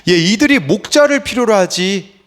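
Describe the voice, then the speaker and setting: A man's voice: high voice, animated, moderate pace. A man in his thirties, a pastor giving an early-morning devotional sermon. He keeps asking the listeners questions and acts out the quotes.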